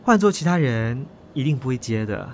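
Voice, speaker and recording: Chatty young cop, lively intonation. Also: male voice, mid-range voice, fairly quick, slight background noise. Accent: Taiwanese. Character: young male rookie cop, chatty, easygoing, grumbling colleague. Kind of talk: Mandarin audio drama acting.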